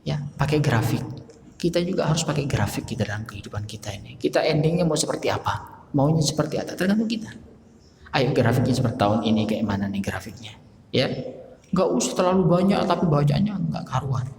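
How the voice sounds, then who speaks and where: A gravelly-voiced Indonesian man preaches in an animated way, slipping into quick acted scenes and jokes for his audience. His voice rings out through a large, reverberant hall, with a faint hum of room noise underneath. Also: mid-range voice. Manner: lively, jokes with the audience, acts out little scenes. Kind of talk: sermon. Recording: echoey hall with faint ambience.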